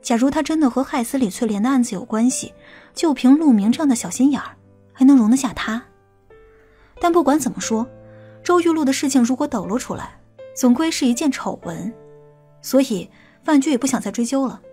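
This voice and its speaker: A woman acting a female character in an audiobook crime drama, with a husky voice. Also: high voice, expressive, fairly quick, warm tone, soft background music. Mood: conciliatory, earnest.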